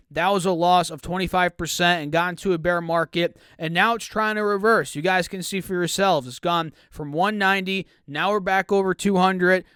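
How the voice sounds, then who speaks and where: Male host, higher pitch, clean crisp voice on a dry close mic, easygoing stock-talk chatter. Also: a bit bright, dry recording. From United States. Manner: chatty, reads earnings numbers with quick asides. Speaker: stock market YouTuber. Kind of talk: casual market commentary.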